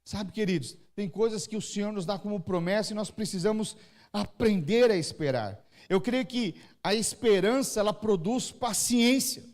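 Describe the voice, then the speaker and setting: A man's voice: sits high, moderate pace, darkish tone. A man from Brazil with a São Paulo-area Brazilian Portuguese accent, preaching a church sermon and acting out crying babies and parents. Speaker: pastor. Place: church service.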